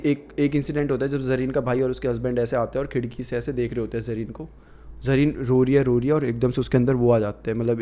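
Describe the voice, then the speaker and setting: A man's voice: mid-range voice, mellow. Casual male horror storyteller. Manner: conversational, many fillers.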